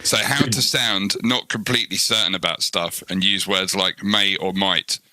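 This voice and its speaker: Male, very sharp forward tone, lowish pitch, dry wit in casual banter. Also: fairly even intonation, normal speed, low-quality recording. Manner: dry, sarcastic. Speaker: English teacher on a live panel.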